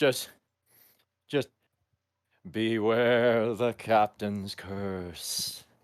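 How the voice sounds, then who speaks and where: Very slow and full of long, frequent pauses, the delivery comes in a put-on character voice. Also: man, medium pitch for a man. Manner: ominous warning.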